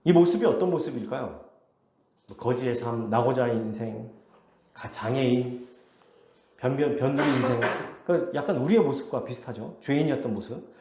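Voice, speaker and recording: A man's voice: mid-range voice, normal speed, dark tone, roomy sound, slight background noise. A man preaching an expository sermon as pastor, telling the story with acted-out voices and questions to his listeners. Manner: asks the congregation questions. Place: church sanctuary.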